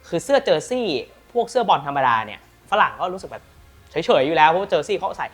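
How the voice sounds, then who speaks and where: Over soft background music, a football news host quickly and energetically recounts the newest transfer stories, stressing points with lively emphasis and sprinkling in polite particles. Afterward he promotes rare team shirts for sale.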